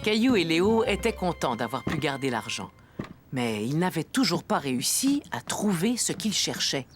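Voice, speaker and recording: A woman narrating a children's cartoon story in a gentle, expressive and clearly articulated storybook style. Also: low voice, moderate pace. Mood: sympathetic. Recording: music playing behind the voice.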